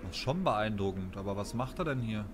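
A man's voice: fairly low pitch, animated, fairly quick. A man, casually commenting as he plays a video game, chatty and self-mocking as he thinks aloud. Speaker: let's play commentator. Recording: game music loud behind. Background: game music and sounds.

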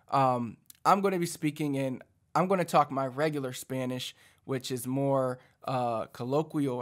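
A Spanish teacher in his thirties explains a lesson to camera, casual and encouraging, with a fairly high voice. He's animated and conversational, talking with his hands. He sits in a small, dark home studio with a studio mic on a boom arm in front of him.

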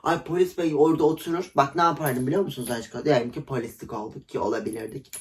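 A woman's voice: rumbling low, fast. A young woman telling a story in a casual vlog, gossipy and dramatic, acting out quotes with laughter. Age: young adult. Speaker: vlogger.

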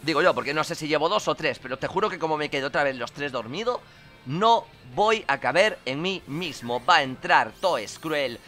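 A young man calls his online match in a high, very bright and sharp voice. He swears freely and breaks into exasperated shouts. Faint game music runs underneath. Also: lively intonation, normal speed. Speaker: gaming commentator. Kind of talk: live gameplay commentary.

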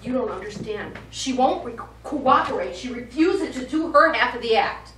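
A woman's voice: fairly high pitch, expressive, normal speed, a bit bright. A woman acting on stage as a distraught, jealous ventriloquist, melodramatic and pleading, in a live comedy play. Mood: wounded. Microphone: far camera. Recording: distant, echoey, noisy theatre recording.

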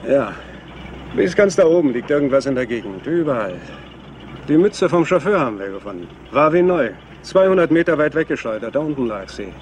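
An actor playing a matter-of-fact mountain police sergeant in a German crime radio play, explaining things practically. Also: male voice, a little high, sing-song, brisk. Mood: businesslike. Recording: noisy outdoor car ambience.

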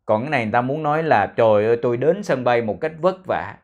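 A man with a Vietnamese accent gives an English pronunciation lesson. He speaks at a middle pitch and sounds out single words again and again as drills, stressing each sound. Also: expressive, dull audio. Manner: repeats words slowly for drilling.

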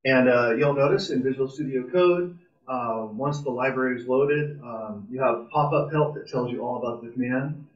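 A man's voice: mid-range voice, normal speed. A man presenting an informal live coding tutorial at a club meetup, casual and enthusiastic, thinking aloud as he types. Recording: distant, roomy, muffled meeting-room sound.

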